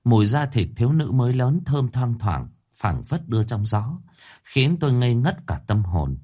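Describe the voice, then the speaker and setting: A man reading a first-person story aloud with expressive, dramatic delivery. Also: medium pitch, normal speed.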